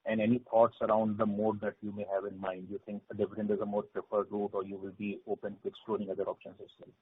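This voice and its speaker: A man's voice: fairly low pitch, completely flat delivery, fast talker, husky, no room sound. A male analyst calling in to an earnings call and putting questions in a polite, formal way. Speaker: financial analyst, caller. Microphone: phone call. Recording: tinny dry phone line.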